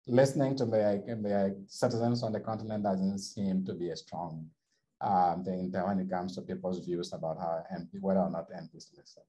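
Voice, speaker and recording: A man with a low, mellow voice walks through survey results on slides, speaking in a measured, explanatory way. He restarts phrases often as he talks over the charts on a video call. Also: low-quality recording. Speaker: survey researcher presenting findings. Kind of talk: presenting slides on a webinar.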